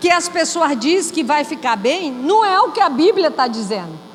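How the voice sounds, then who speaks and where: A woman with a high pitch speaks in an animated tone with lively intonation, amid audible room echo and noticeable background noise. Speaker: pastor. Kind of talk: sermon.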